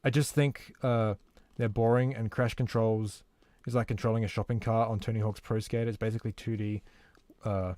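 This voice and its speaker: A man's voice: fairly low pitch, level tone, normal speed, a little mellow, no echo. A man live-streaming a game, chatting casually and reading viewer comments aloud in a laid-back way. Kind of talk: casual live-stream chat while gaming.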